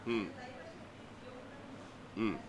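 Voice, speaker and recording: A male pastor preaching a sermon, rebuking his listeners with a string of pointed rhetorical questions and swinging between loud and quiet. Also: extremely slow. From India.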